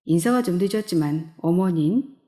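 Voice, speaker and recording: Woman reading a pushy middle-aged guy, bossy and needling, low mellow voice, storybook. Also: animated, normal speed, close to an everyday voice. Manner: commanding, needling.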